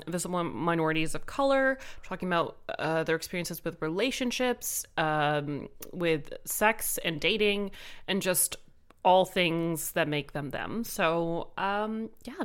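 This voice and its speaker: A woman's voice: lowish voice, measured pace, a bit bright, clear, resonant tone. A woman in her twenties from the Middle East, a podcast guest who chats in a bubbly way with many ums and laughs. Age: 20s. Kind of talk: casual interview chat.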